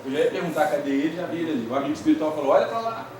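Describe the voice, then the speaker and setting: Speaking to a crowd at a spiritist center, this Brazilian Portuguese-accented lecturer has a fairly high, animated, slightly mellow voice and a racing pace. He chats with the audience, asks them questions, and tells humorous stories, recorded from a distance in an echoey hall with faint noise.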